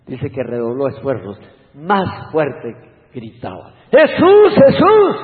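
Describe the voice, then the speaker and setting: A man preaching an evangelistic sermon, swinging from shouted warnings to hushed pleading. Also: mid-range voice. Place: church hall. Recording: long hall reverb over tinny phone-like sound.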